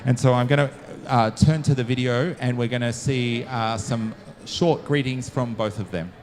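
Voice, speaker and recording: A man giving casual spoken remarks as host of a launch event, halting with many fillers and restarts. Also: medium pitch, darkish tone. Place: conference room.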